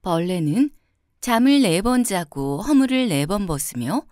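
A woman reads a folk tale aloud as a bedtime story. Her delivery is soft and expressive, and her pitch moves a great deal. The recording is close and dry. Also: unhurried, dry recording.

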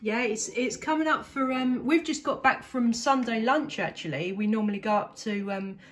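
A woman's voice: a little high, moderate pace. A woman with an English accent chatting casually as a CB radio operator, enthusiastic and talkative. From England. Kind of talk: casual two-way radio chat.

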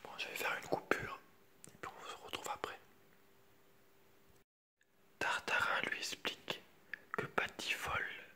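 A man reads a children's picture book aloud in a hushed, unvoiced library whisper, ASMR style, adding informal asides to viewers. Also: unhurried, pauses often.

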